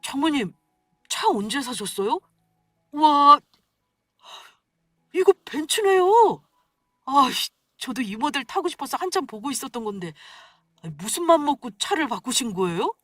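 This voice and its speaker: A woman's voice: high-pitched, sing-song, fairly quick, no room sound, studio quality, faint music behind, voice pushed up. A woman voicing an angry, petty husband who complains indignantly in a radio-style story reading. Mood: fawning surprise. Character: angry husband, grown man, petty and defensive.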